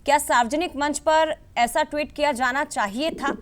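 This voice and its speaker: A woman's voice: high voice, normal speed, background noise. A woman anchoring a TV news debate, putting pointed questions to guests.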